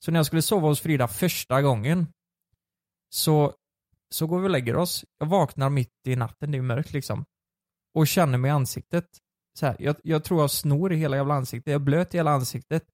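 Animated young man telling stories. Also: a little high, no echo, studio quality. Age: 20s. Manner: animated storyteller, swears freely. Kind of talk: casual chat.

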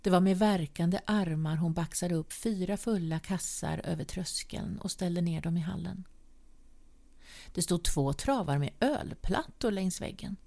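A woman reading a short story aloud as narrator, measured and at times sinking to a whisper. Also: fairly low pitch, vocal fry, mellow. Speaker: audiobook reader.

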